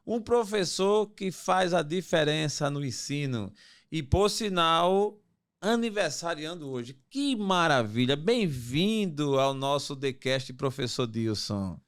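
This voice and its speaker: A man's voice: on the high side, clean tone. Effusive man hosting. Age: 50s. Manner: effusive, warm greetings and blessings. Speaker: podcast host. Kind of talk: casual interview chat.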